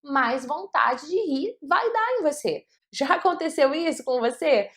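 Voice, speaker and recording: A woman's voice: high voice, animated, a little slow, a bit bright. A woman teaching public speaking tips, talking straight to the viewer with emphatic points and rhetorical questions. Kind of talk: motivational teaching talk.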